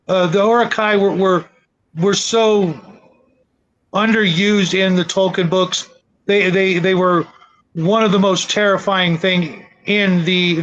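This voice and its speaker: A man in casual conversation about tabletop games, rambling and halting as he repeats his words. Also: sits high, fairly bright tone, rough recording. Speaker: panelist on a role-playing show.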